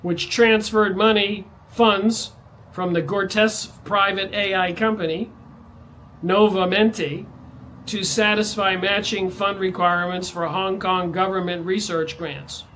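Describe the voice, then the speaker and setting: A man's voice: fairly even intonation, takes it slowly, a bit bright, a little hiss or hum, rough recording. Man ranting in an emphatic monologue. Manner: emphatic, ranting, pitch jumping up on stressed words. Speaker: vlogger. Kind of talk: monologue to camera.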